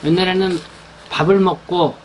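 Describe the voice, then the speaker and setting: A man presenting his newspaper's pages in an unscripted rundown, talking haltingly with many fillers and restarts. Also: sits high, steady tone, slight background noise, poor audio. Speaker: newspaper editor presenting the issue.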